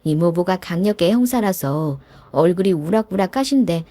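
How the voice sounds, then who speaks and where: A woman's voice: lowish voice, lively intonation, normal speed, dark tone, no echo. A woman narrating a dramatic first-person story in a firm, indignant tone.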